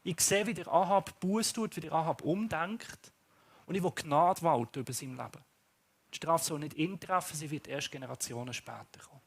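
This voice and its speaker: A soft, merciful God, as a Swiss preacher puts him on, speaking in a hushed, lowered voice. It is part of a live church sermon. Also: male voice, normal speed, husky. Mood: gentle.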